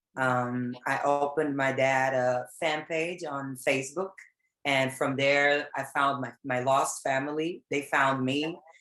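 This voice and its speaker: Very slow, monotone delivery with flat intonation and music in the background. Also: woman, very deep, low pitch for a woman. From Israel. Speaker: singer. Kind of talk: interview.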